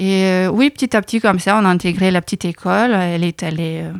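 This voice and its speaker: Someone with a Lithuanian accent speaks at a fairly quick pace with ordinary pitch variation. The sound is dry and close with no echo, on a very clean recording with a silent background. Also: woman. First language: Lithuanian (speaking French). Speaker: expatriate. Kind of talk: interview answers, personal story.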